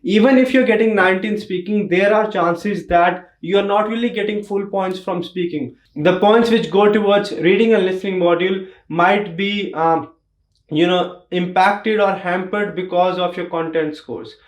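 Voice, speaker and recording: High-voiced Indian man teaching, echoey room. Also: moderate pace. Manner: emphatic, repeats key points. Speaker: test prep teacher. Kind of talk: instructional tutorial.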